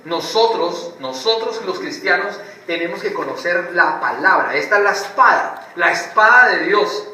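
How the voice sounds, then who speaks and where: A man with a high, very bright voice preaches a lively sermon and breaks into mocking impressions of other preachers. He stands some way back from the mic in a very echoey room, with faint noise underneath. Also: moderate pace, recorded from a distance.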